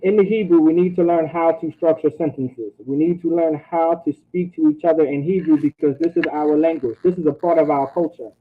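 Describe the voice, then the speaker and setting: A man's voice: fairly high pitch, slight background noise. Man teaching an online class over tinny audio. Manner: repeats phrases, frequent "all right?" check-ins.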